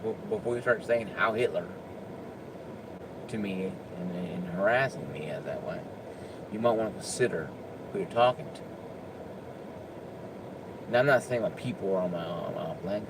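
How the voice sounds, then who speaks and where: Speaking on the low side, this male political commentator gives an off-the-cuff rant of opinion, forceful and frequently stumbling over restarts. There is noise in the background.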